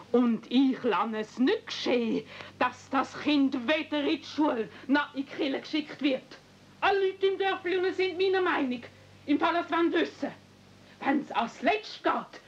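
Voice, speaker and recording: High-voiced pushy Swiss German aunt. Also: female voice. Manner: insistent, nagging. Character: pushy, scolding, bustling aunt. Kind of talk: radio play acting. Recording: muffled, noisy old 1970s audio play recording.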